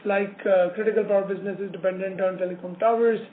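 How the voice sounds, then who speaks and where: A man presenting company results as an executive on a business call, halting often with many filler words. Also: high voice, level tone. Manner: halting, hesitant delivery with frequent filler words. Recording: narrowband phone line, roomy echo, slight noise.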